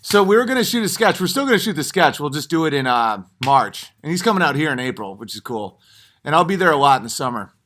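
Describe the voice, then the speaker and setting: Bright-voiced man rambling through stories. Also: on the high side, fast. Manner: digressive storytelling with frequent fillers and restarts; animated, jumps into mock voices for punchlines. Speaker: comedian hosting his own stream. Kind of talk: rambling off-the-cuff monologue.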